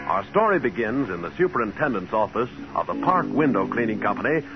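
American guy, old time 40s radio announcer, theatrical and emphatic, swoopy delivery, loud music under him. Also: mid-range voice. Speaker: announcer and narrator. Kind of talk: 1940s radio announcing, dramatic scripted narration. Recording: muffled 1940s radio recording, loud music.

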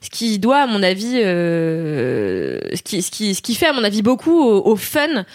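A woman in her twenties chatting casually about films she recommends, lively, with many fillers and frequent laughs. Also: medium pitch, a little slow, no room sound, studio quality. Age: 20s. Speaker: film reviewer, co-host. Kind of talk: casual chat, film recommendations.

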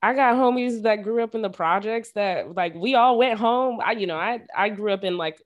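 A young woman podcast host telling stories from her childhood in a casual, animated way, full of slang and fillers. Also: medium pitch, moderate pace, lo-fi sound. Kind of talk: casual chat.

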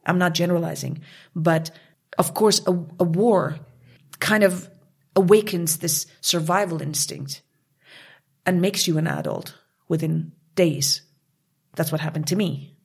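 A woman's voice: lowish voice, a little slow, vocal fry, pauses often, husky. A woman from Canada, speaking passionately and emphatically as an interview guest. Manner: passionate, emphatic, with rising outbursts. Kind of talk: conversational interview.

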